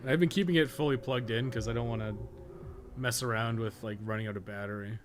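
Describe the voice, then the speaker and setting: A man's voice: mid-range voice, fast talker, over music. A man doing casual, sweary live gameplay commentary, often muttering to himself as he plays. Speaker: game streamer, podcast host.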